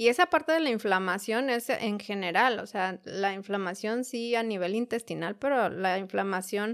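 On a very clean recording with a silent background, a woman with an unremarkable speaking voice talks at a moderate pace and a fairly high pitch, with ordinary pitch variation. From Mexico City. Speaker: podcast host and habit coach. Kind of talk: casual interview chat.

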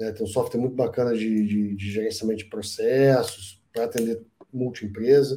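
The voice has a dark, mellow tone and speaks at a moderate pace with monotone, flat intonation. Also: man, medium pitch for a man. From Rio de Janeiro, Brazil. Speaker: network instructor and telecom entrepreneur. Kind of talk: casual interview chat.

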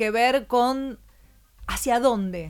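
A woman's high voice at a very slow pace, in a very clean recording with a silent background. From Argentina, Buenos Aires area (Martínez). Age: 40s. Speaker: film director and producer. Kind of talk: interview. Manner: halting, many fillers and repetitions.

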